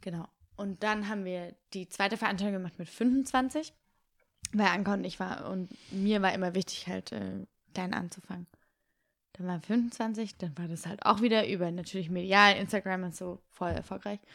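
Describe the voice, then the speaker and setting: A woman with an unremarkable speaking voice talks at a moderate pace and medium pitch. Her pitch varies in an ordinary way while her loudness swings a lot. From Baden-Württemberg, near Stuttgart, later Bavaria. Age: 20s. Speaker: entrepreneur. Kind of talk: casual chat.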